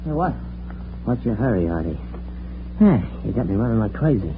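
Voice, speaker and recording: An actor playing a furtive, chummy gangland bagman, hurried and slangy, in an old-time radio crime drama. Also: on the low side, big pitch swings, background noise. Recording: humming, tinny old radio recording.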